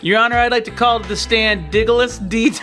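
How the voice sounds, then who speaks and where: A man voicing an eager, excitable cartoon police mouse who bursts into shouts. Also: extremely high pitch, a little fast, music in the background. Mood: excited. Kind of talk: cartoon voice acting.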